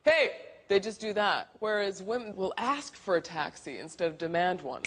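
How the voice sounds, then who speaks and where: A woman's voice: mid-range voice, animated, normal speed, a bit bright, slight background noise. A woman giving encouraging, directive voice coaching. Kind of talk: coaching instruction.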